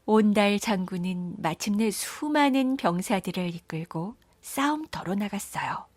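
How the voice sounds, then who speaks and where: A woman narrating children's folktales in a gentle, measured storytelling manner. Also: mid-range voice, lively intonation, no room sound.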